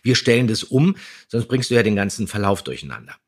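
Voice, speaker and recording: A man co-hosting a podcast, chatting casually in a slightly husky voice. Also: on the low side, very animated, fast. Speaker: podcast co-host. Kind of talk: casual chat.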